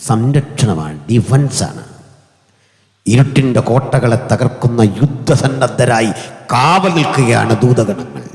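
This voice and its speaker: A man with a Malayali accent preaching a sermon in a large hall, speaking into a mic through an amplifier, conversational and humorous with sudden high-pitched climbs. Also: darkish tone. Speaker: pastor. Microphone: hand or stand mic through an amplifier. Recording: long hall reverb.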